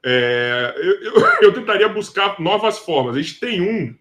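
Slangy Brazilian man, slightly high voice. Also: huge pitch swings, a little slow, fairly bright tone. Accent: Brazilian Portuguese. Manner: informal, slangy, swearing, repeats words. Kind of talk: casual slangy podcast chat.

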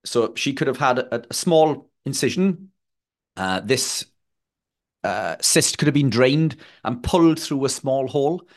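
Halting man speaking as a guest. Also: medium pitch, animated. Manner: halting, many restarts and fillers. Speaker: podcast guest. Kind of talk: casual interview talk.

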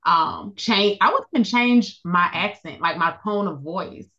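A woman's voice: mid-range voice, a little slow, sharp tone, highs cut off. A woman with an African American, Southern US accent talking candidly and reflectively in a casual panel discussion. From US Midwest, later moved to the South.

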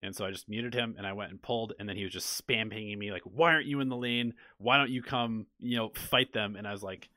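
A man in casual chat, telling a story in an animated way and acting out the quotes. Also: fairly low pitch, fast, hardly any pauses, no room sound, clean studio sound.

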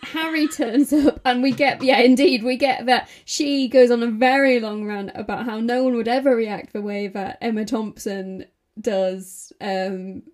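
A woman, a priest co-hosting a podcast, briskly recapping an episode in casual chat. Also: fairly high pitch, steady tone, a little mellow.

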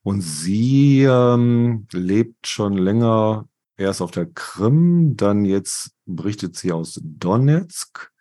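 Slow-talking man with a low dark voice. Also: lively intonation. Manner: slow, measured, with many fillers. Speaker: podcast co-host. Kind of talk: casual podcast discussion.

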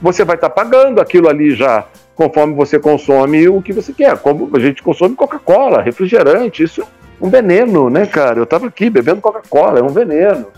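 A Brazilian man in his fifties speaks in a somewhat high register. He talks casually, in a colloquial way, checking in with the listener as he goes. The recording is slightly dull, with music playing behind him. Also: very animated, brisk, a little mellow. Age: 50s. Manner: talkative, colloquial, often seeks agreement with tag questions. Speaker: guest, comics publisher. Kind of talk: casual conversational interview talk.

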